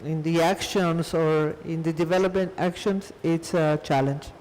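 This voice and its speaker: A man's voice: fairly high pitch, fairly even intonation, moderate pace, darkish tone, big-room sound, slight background noise, rough recording. A man answering on a panel, hesitant and often restarting his phrases.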